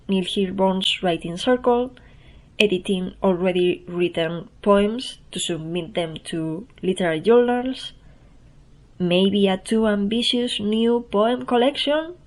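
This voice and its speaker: A woman's voice: mid-range voice, a little slow, poor audio. A woman with a Spanish accent, who speaks English as a second language, hosts her own podcast in a chatty, self-deprecating way. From Spain. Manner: chatty and self-deprecating, soft-spoken, laughs at herself. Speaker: newsletter writer and podcast host. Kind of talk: casual spoken podcast intro, reading her newsletter.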